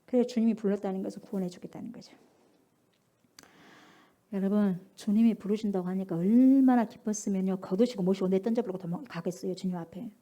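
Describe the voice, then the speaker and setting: A woman pastor preaching a sermon at a prayer meeting, emphatic, swinging from loud calls to hushed whispers. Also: medium pitch, fast talker. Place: church sanctuary.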